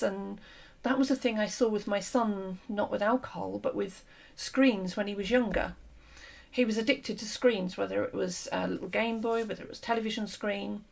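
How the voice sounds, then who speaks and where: Woman host, kinda gravelly and hoarse, explains stuff earnestly, lots of ums. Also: mid-range voice. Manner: earnest, explanatory, with frequent fillers and restarts. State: losing her voice. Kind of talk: conversational discussion.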